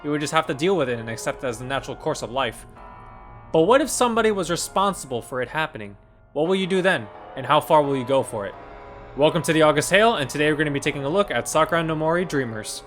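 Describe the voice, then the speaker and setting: A man's voice: a little high, animated, fast talker, fairly bright tone, soft background music. A man reading a scripted review narration as the host. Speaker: video game reviewer and host.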